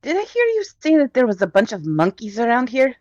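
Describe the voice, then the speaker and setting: A woman's voice: on the high side, wildly swooping pitch, brisk, a little mellow, no room sound, muffled recording. A woman playing a tabletop game, tossing out ideas tentatively. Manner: tentative, wondering aloud. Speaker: player. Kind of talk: casual tabletop play.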